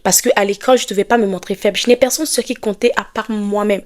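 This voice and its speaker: A woman's voice: medium pitch, fairly even intonation, fast. A young adult woman, chatting straight to camera in a casual vlog and promoting her products. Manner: chatty, keeps asking "ok?".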